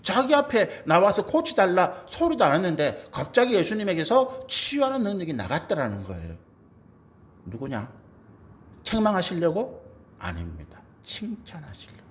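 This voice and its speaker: A middle-aged man delivers a Sunday sermon in a church with a high, lively voice that leaps up and drops low as he acts out quoted speech. He keeps turning to the congregation with rhetorical questions. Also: moderate pace. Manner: dramatic, acts out quoted voices with big swings in pitch and loudness. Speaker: pastor. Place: church sanctuary.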